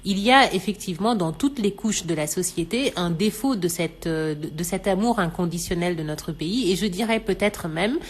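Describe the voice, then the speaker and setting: A woman from Senegal explaining on a radio talk show, measured and thoughtful, with many fillers. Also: lowish voice, slightly rough. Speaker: radio show expert guest.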